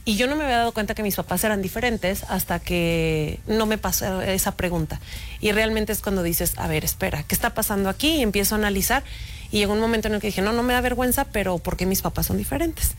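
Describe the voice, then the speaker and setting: A woman, an interview guest, explaining and telling stories from her childhood in a warm conversational way. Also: medium pitch, fast talker. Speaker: sign language interpreter guest.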